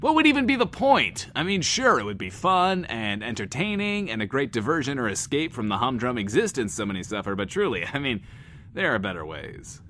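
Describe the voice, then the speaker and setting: Male radio host: theatrical, playful, mock-indignant, very lively pitch, audio drama patter over background noise. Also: a little fast. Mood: mock indignation, teasing. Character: cheeky theatrical post-apocalyptic radio show host, adult man.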